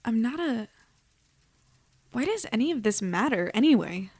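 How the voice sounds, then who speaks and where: A woman's voice: a little high, big pitch swings, normal speed, a little mellow, slightly rough. A woman playing a stubborn young human captive in an audio drama, blunt, indignant and defiant.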